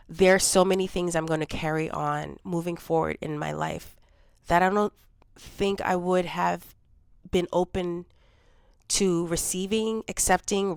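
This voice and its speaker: A woman in her forties speaks candidly to the camera in a personal vlog, her voice slightly congested from a cold. She sounds low on energy. Her voice is a little low, smooth and clear, recorded close in a dry room. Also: dry recording. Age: 40s. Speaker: vlogger.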